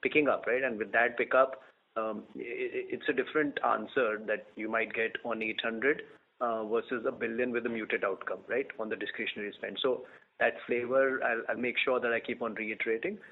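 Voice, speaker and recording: A man's voice: medium pitch, fairly even intonation, a little fast. Male executive on a tinny phone line. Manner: frequent "right?" tags. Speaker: company finance executive. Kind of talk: earnings call answer. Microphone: conference call line.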